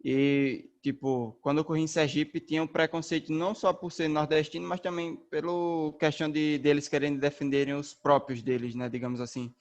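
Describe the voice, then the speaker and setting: Young racing driver from the brazilian northeast, chill slangy chat, lots of "tipo" and "velho". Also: male voice, a little high, a little fast, few pauses, highs cut off. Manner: relaxed and slangy, many fillers. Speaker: race car driver, interview guest. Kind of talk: casual interview answers.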